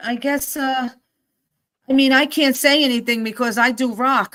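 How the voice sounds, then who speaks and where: A woman speaks with a New Jersey accent. Her tone is bright and sharp. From New Jersey, US. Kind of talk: casual interview chat. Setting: live online show.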